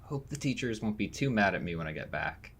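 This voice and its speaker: A man playing a chatty, slightly unsure college freshman in a fiction podcast, casual and halting. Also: lowish voice, lively intonation, a bit bright, slightly rough, exaggerated voice. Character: nineteen-year-old male college freshman, chatty, excitable, unsure.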